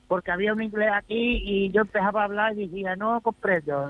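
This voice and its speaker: A man talks at a fairly quick pace. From Andalusia. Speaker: mango farmer. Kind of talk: casual chat.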